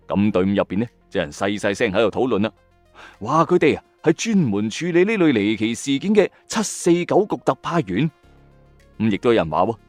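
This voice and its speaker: A man's voice: medium pitch, no echo. A man with a Hong Kong Cantonese accent telling a scripted horror story in a dramatic, suspenseful, colloquial way.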